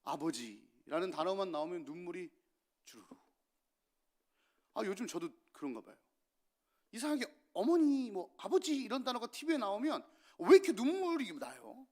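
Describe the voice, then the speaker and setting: A male pastor preaching a sermon, telling stories with lively acted-out lines of parents and children. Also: sits high, moderate pace, pauses often. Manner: animated storytelling, acting out parents and children.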